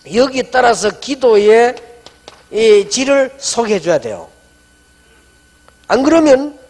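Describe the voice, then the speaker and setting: A middle-aged man, a pastor, preaching a sermon in a lively storytelling way, often dropping soft and low when he quotes people. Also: husky, in a large hall.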